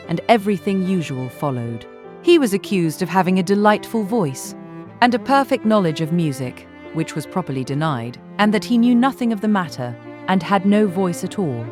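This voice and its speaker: A woman reading literary narration in a measured, formal way as an audiobook narrator. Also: fairly low pitch, animated, faint music behind.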